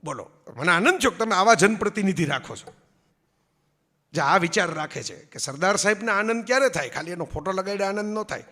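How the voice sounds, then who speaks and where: A man speaks in a large hall with a high-pitched, animated, sharp voice at a slightly fast pace. He's a public speaker addressing an audience in the event hall, telling anecdotes, acting out quoted voices and asking listeners "barabar?"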